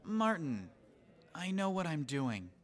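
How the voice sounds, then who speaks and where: A man playing an excitable, cocky high school boy who acts Romeo, dramatic and emphatic, in an audio drama. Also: slow. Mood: cocky, scheming.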